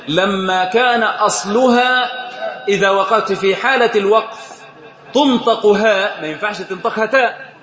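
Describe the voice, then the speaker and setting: A man's voice: sits high, a bit bright. A man with an Egyptian Arabic accent teaching an informal religious lesson, often quizzing his listeners and laughing as he explains. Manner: questioning the audience, laughing often. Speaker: sheikh teaching a religious study circle. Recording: echoey room.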